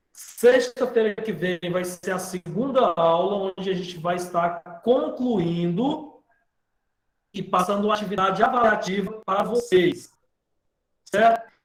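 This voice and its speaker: A man with a high voice speaks with long, frequent pauses. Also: ordinary pitch variation, fairly slow pace. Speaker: teacher. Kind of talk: online lecture. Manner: soft-spoken.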